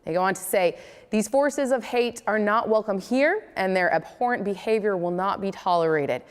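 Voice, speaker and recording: A woman's voice: medium pitch, normal speed, clear, resonant tone. American woman news anchor in reverberant room. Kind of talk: scripted local newscast delivery.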